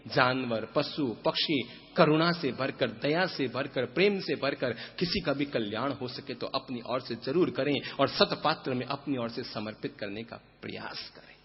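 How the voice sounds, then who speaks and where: A man preaching a sermon and telling a story, acting out the voices of its characters. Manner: dramatic, acts out story characters with rising pitch. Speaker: Jain preacher. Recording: dull lo-fi recording in a reverberant hall.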